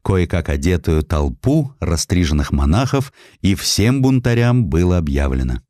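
A man reading a scripted historical story as an audiobook narrator, in a measured, expressive way with deliberate pauses. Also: sits low, no echo, clean studio sound.

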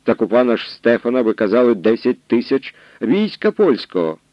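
A man's voice: mid-range voice, very animated, a little fast, no echo, lo-fi sound, lightly acted. A man voicing a scornful, argumentative male nobleman in an audiobook reading. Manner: mocking, argumentative. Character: scornful male nobleman, sharp-tongued lord.

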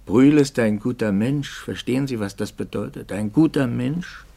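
An actor playing a troubled, doubting Catholic priest in a 1950s German radio play, brooding and intense, often dropping toward a whisper. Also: male voice, mid-range voice, normal speed, creaky, dark tone. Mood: agitated.

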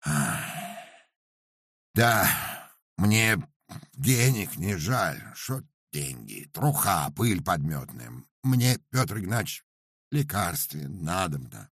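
A man voicing a pious, self-pitying peasant man who complains loudly and draws out his words. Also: sits low, sing-song, breathy edge, no echo, studio quality, voice pushed up, heavily acted. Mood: pleading. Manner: loud wailing complaint, drawn-out words.

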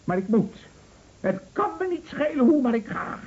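Overwrought husband, wildly swinging pitch. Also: male voice, very animated, a little mellow, husky, heavily acted. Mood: agitated, defiant. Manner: halting, overwrought, swinging from weary murmurs to outbursts. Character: anguished, agitated husband with an injured leg, fearing the worst. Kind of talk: Dutch radio play acting. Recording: dull, noisy old radio recording.

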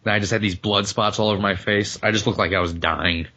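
Hoarse joking man with a lo-fi sound. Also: fairly low pitch, fairly even intonation, fast, sharp tone. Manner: joking, rambling, laughs often. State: hoarse, voice cutting out after flu. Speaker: podcast co-host. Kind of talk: casual comedic chat.

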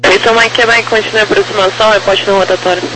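A man's voice: high-pitched, flat delivery, quick pace. A man with a Brazilian accent giving procedural air traffic control instructions over aviation radio. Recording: noisy humming radio transmission.

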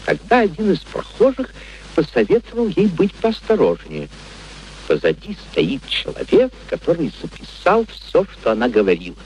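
A genial gentleman storyteller, somewhat high in pitch, with sweeping, highly animated intonation. He narrates with amused, courteous curiosity and theatrical expression. It is an old radio play recording with faint noise. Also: moderate pace, rough recording. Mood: wry, storytelling.

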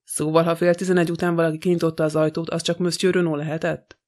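A man reading an audiobook, voicing a stern, impatient male magistrate who questions briskly. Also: a little high, little pitch movement, darkish tone, close to an everyday voice. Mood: questioning.

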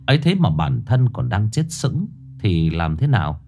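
Male ghost-story narrator, highly expressive pitch, faint background hiss. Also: moderate pace. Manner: dramatic, suspenseful reading.

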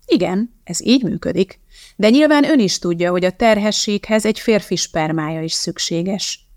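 A woman reading an audiobook, voicing a calm, unflinching young woman scientist who speaks in a matter-of-fact way. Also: mid-range voice, no room sound, clean studio sound, natural voice. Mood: calm and firm.

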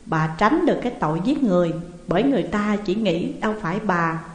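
A stern male exorcist who accuses in a steady, judge-like tone, as a woman narrator puts him on. Each question lands heavily and without pity. The voice echoes in a room with a long reverb. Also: medium pitch, a little fast, natural voice.

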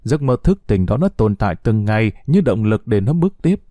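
A man narrates a heartfelt, sorrowful story, his voice moving freely up and down. The tone is dark and mellow. It sounds close and dry. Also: fairly low pitch, no room sound. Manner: slow, expressive, heartfelt.

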